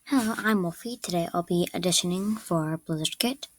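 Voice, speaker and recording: A woman's voice: lowish voice, a little fast, no echo. A woman speaking casually as an amateur voice actor introducing an audition.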